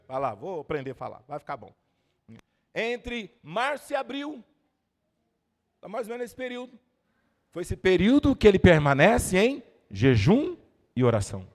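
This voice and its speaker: A man with a Brazilian accent preaching a fervent Pentecostal sermon, swelling to shouts and calling on the congregation. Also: high-pitched. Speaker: evangelist preacher. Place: church service hall. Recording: echoey church hall.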